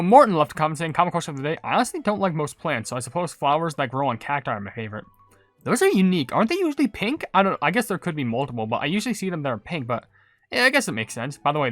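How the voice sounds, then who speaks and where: Animated, rambling male gaming commentator. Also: on the high side, no room sound. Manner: chatty, rambling. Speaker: gaming video host. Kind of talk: casual commentary, reading viewer comments.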